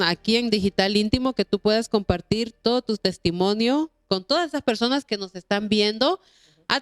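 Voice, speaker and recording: A woman's voice: on the high side, dry recording, studio quality. A woman hosting a Christian programme, speaking in a courteous, devout, repetitive way. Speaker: host of a Christian testimony programme. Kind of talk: warm religious interview talk.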